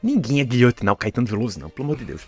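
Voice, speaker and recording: A man from Recife, co-hosting a podcast in a casual, animated, joking way. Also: medium pitch, rapid-fire, breathy edge, dry recording, soft background music. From Recife, Brazil. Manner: animated, joking, bursts into laughter. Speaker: podcast co-host.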